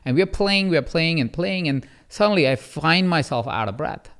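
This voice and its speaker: A man in his thirties hosting a coaching podcast, telling personal stories and acting out quotes in an animated way. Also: moderate pace, smooth. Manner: animated, acts out quotes with rising pitch. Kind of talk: conversational storytelling.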